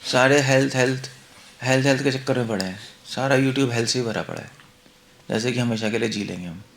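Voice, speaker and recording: A man's voice: medium pitch, a little fast, vocal fry, fairly bright tone, slight background noise. A male monk giving a conversational scripture class, mixing Hindi and English, asking the listeners rhetorical questions. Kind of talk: Hindi-English devotional lecture.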